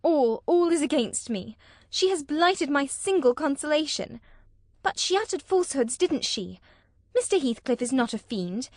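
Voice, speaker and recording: A woman doing a lovesick, indignant young girl with a high voice. She pleads and protests petulantly. The voice is recorded close and dry, like an audiobook. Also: big pitch swings, moderate pace, darkish tone, dry recording. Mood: tearful. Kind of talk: audiobook character voice.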